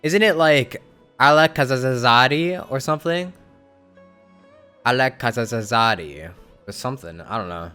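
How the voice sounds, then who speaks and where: A young man giving casual, slangy live gameplay commentary, reacting aloud in a halting way. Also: mid-range voice, sharp tone, clear, resonant tone, faint music behind. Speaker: game streamer.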